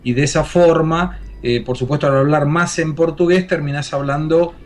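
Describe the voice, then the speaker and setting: A man from Argentina with an Argentine accent, co-hosting a radio talk show in a polite, measured way. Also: a little high, steady tone. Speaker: radio co-host.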